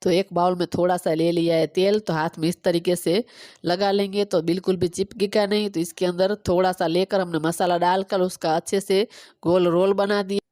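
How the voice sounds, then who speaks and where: A woman in her thirties from Gujarat, native Gujarati speaker, chatting quickly through a home cooking and cleaning vlog on a phone camera. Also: lowish voice, flat delivery, dark tone, no room sound, studio quality. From Gujarat, India. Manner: fast-talking, chatty step-by-step explaining. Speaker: vlogger.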